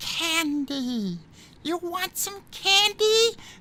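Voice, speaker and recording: An extremely high-pitched, put-on character voice. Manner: creepy, coaxing.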